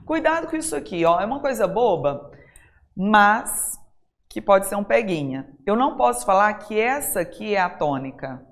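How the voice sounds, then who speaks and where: A middle-aged Brazilian woman with a Brazilian Portuguese accent teaches an exam-prep language lesson at normal speed, her medium-pitched voice swinging widely. She's chatty, speaks straight to her students, and keeps checking in with tag questions.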